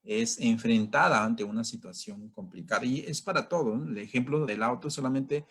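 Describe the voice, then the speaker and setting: A man's voice: mid-range voice, moderate pace, slightly rough. A man teaching an informal self-help lesson in a conversational way, often checking in with his listeners. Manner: conversational, keeps asking "right?", acts out angry drivers. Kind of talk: informal talk on personal growth.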